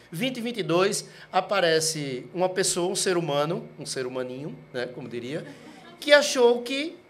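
Against noticeable background noise, a man with a high voice makes very wide pitch swings. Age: 50s. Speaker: pharmaceutical sales manager. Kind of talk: live podcast interview. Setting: live event with audience.

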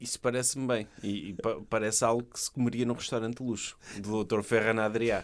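The voice is a normal speaking voice at a fairly quick pace. Its intonation stays fairly even. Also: man, medium pitch for a man. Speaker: comedy podcast host. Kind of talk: comedic banter.

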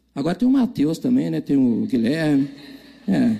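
A man is speaking. His pitch swings very widely. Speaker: preacher. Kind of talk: sermon with scripture reading. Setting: church. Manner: animated, conversational; informal, humorous, laughs.

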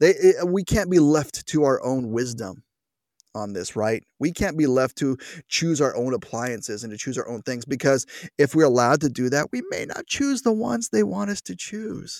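A man with a fairly high voice sounds animated, his pitch swinging very widely, in a dry, close recording with no echo, a very clean sound and a silent background. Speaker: radio host. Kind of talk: angry political rant. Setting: radio studio broadcast. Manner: animated, sarcastic, fast and fired-up; self-mocking, conversational, with air-quote sarcasm.

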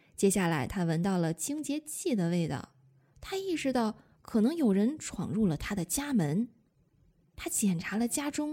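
A woman speaks at a fairly slow pace in a fairly high, somewhat breathy voice with a dark, mellow tone and very wide pitch swings. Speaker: podcast host and Chinese language teacher. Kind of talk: storytelling for language learners. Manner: slow and clear.

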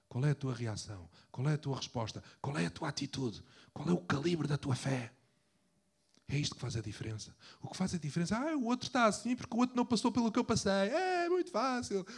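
Speaking with a Lisbon accent, a man talks at a fairly quick pace in a fairly high pitch with very wide pitch swings. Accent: European Portuguese, Lisbon. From Portugal, Pontinha (Lisbon area). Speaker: pastor. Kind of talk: sermon. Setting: church.

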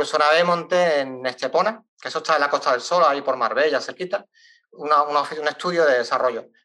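A very fast voice in an Andalusian accent, bright and sharp in tone, with ordinary pitch variation. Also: man. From Andalusia, Cádiz. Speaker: software developer. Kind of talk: webinar talk.

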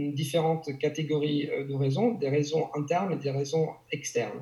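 Noticeable background noise is present throughout. The words come at a moderate speed. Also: man. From Italy. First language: Italian (speaking French). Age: 40s. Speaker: polyglot language coach. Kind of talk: interview conversation.

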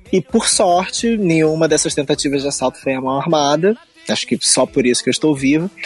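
Noticeable background noise sits under a man's fairly high voice, recorded dry and close with no echo. He talks at a fairly quick pace with very even loudness and ordinary pitch variation. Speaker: podcast guest. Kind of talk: casual chat.

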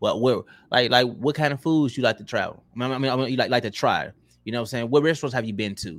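Recorded very cleanly against a silent background, a man talks. His pitch is medium and his pace very fast. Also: ordinary pitch variation. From US South, Memphis, Tennessee. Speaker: podcast guest. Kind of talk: casual chat.

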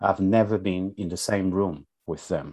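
A man speaks in a Brazilian accent at a fairly slow pace and a fairly low pitch. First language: Portuguese. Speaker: social work academic and counselor. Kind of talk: casual interview conversation. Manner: halting, with repeated words.

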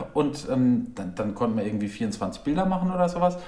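A man talking at a very fast pace, his pitch swinging very widely, with noticeable background noise and audible room echo. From Germany, Heidelberg (Baden-Württemberg). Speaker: podcast co-host, photographer. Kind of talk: casual chat.

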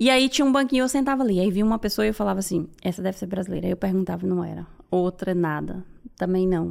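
A woman speaks at a very fast pace with medium pitch. Her intonation is lively. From rural interior of Bahia, Brazil. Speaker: entrepreneur. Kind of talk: interview.

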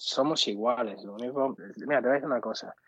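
An ordinary speaking voice at a fairly quick pace, with ordinary pitch variation. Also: man. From Mataró, Catalonia, Spain. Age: 20s. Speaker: engineer. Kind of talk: interview. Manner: casual, filler-heavy.

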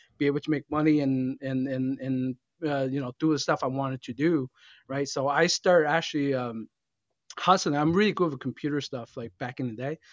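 A man with an unremarkable speaking voice talks fairly quickly at a fairly high pitch with fairly even intonation, the sound dry and close with no echo against a quiet background. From China, moved to eastern Canada at age 8. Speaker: stock options trader and trading mentor. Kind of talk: casual interview.

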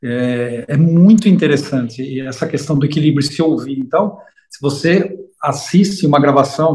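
A man's normal speaking voice at a fairly high pitch, moderate in pace, with ordinary pitch variation. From Brazil, Piracicaba (São Paulo state). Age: 40s. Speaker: orchestral violist. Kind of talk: casual interview chat.

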